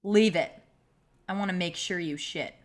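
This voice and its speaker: A woman playing a crude junior high bully in a script read, blunt and threatening. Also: normal speed, close to an everyday voice. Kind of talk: table read of a film script.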